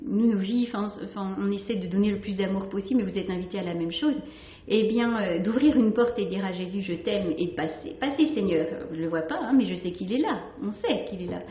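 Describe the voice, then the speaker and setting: A nun reading a story aloud and then reflecting on it gently, with hesitant fillers as she speaks freely. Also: mid-range voice, fairly quick. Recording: roomy, slightly dull recording.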